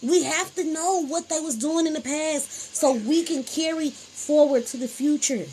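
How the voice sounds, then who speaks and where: A woman's voice: high-pitched, a little slow, a little mellow, slight background noise, low-quality recording. A woman hosting a casual spiritual livestream, talking in a preachy, repetitive, emphatic way into a phone.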